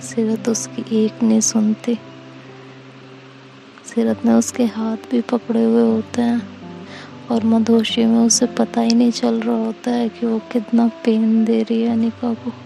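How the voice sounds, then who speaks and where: Slow gravelly woman storyteller. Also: on the high side, monotone, dark tone, faint music behind. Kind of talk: slow romantic story narration.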